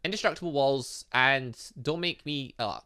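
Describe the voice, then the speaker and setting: A man giving animated let's play commentary on a video game, reading dialogue aloud and adding sarcastic asides. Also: medium pitch, normal speed, clear, resonant tone. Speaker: gaming channel host.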